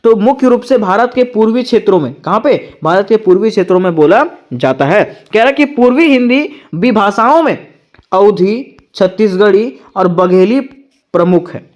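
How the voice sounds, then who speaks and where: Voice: mid-range voice, animated, moderate pace, darkish tone, highs cut off. A tutor giving an exam-prep lecture, asking rhetorical questions and answering them, repeating each point twice.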